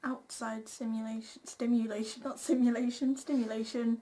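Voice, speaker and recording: A woman's voice: on the high side, flat delivery, normal speed, warm tone. A young woman co-hosting a question-and-answer video, chatting casually in a blunt, informal way. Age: young adult. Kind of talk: casual chat.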